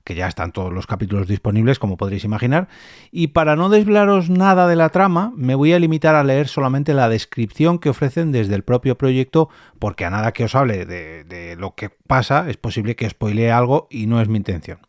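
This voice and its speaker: A man's voice: mid-range voice, lively intonation, brisk, dry recording, clean studio sound. A man with an accent from Spain hosting a solo podcast, talking casually and directly to his listeners. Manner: conversational, addresses listeners directly. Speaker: podcast host and producer.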